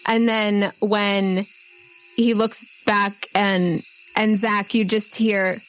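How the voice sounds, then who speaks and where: A woman's voice: mid-range voice, level tone, very slow, slight background noise, rough recording. A woman narrating a tabletop role-playing game as its game master.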